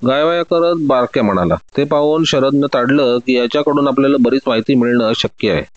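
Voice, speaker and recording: A man reading a detective story aloud in a steady, dramatic storytelling manner. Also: medium pitch, no echo, muffled recording. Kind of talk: scripted story narration.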